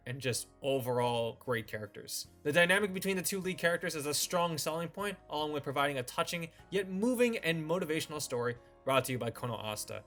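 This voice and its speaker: A man with a slightly high voice delivers semi-scripted review commentary as a video host. He speaks as a reviewer walking an audience through his opinions, with music playing faintly behind his voice. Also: pushed and bright.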